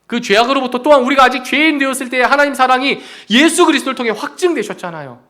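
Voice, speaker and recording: A man's voice: very high voice, expressive, fast talker, pushed and bright. A middle-aged male pastor preaching a sermon, acting out the quoted voices of the people in his story as dialogue.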